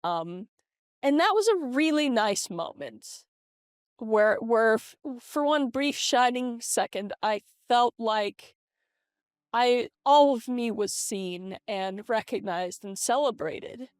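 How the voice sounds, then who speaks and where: A young adult woman talking casually and confessionally in a vlog through a voice changer, in a hesitant, halting way with repeated words. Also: on the high side, expressive, smooth, dry recording, studio quality. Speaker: vlogger. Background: soft lo-fi video game music.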